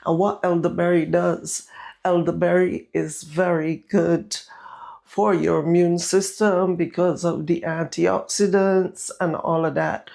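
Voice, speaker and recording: A woman with a Barbadian accent and a naturally husky voice, raspier than usual from a sore throat, chatting to viewers as she cooks in her home kitchen. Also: fairly low pitch, darkish tone. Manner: chatty, talks straight to viewers. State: raspy, irritated throat. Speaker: home cooking vlogger. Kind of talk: casual recipe vlog.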